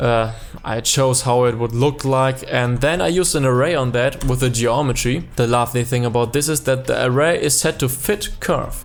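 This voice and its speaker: A man with a German accent, medium-pitched with ordinary pitch variation, at a moderate pace with hardly any pauses and very even loudness, music in the background. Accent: German, self-described bad English. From Germany. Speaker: 3D animator, tutorial YouTuber. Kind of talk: tutorial. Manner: casual, with hesitations and self-corrections.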